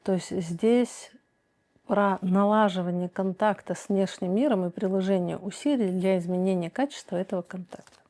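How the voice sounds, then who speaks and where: A woman with a dark, mellow voice answers viewers' questions about their lives. She talks slowly and deliberately, often pausing on a soft hesitation before each point. Her advice comes out frank and direct. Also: medium pitch. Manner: slow, deliberate, many pauses and hesitations. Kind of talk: calm measured advice monologue.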